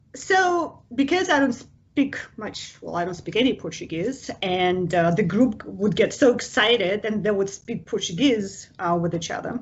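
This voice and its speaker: At a moderate pace with hardly any pauses, a woman speaks in a somewhat breathy, medium-pitched voice with lively intonation. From Russia. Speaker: English teacher. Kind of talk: casual interview chat. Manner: animated storytelling.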